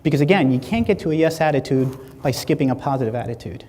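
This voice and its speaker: A man, giving a keynote speech and acting out stories with lively dialogue. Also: medium pitch, fast, big-room sound. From Latin America, Spanish-speaking. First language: Spanish. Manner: animated storyteller acting out dialogue. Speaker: motivational speaker. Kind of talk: keynote speech to a live audience. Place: large hall.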